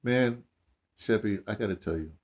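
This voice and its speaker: In a small home room, a man probably in his late sixties, within his 60s or 70s, casually recounts his life as an audio dramatist. His voice is lowish and his pace moderate, and his animated storytelling features frequent repeated phrases and quotes of himself.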